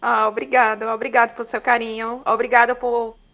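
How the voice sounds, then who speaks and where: A woman speaks with a northeastern Brazilian accent and a bright, sharp tone. Her intonation is monotone and flat, with vocal fry. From Brazil, Pernambuco (Olinda). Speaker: participant, parent or teacher. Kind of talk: casual remarks in online meeting.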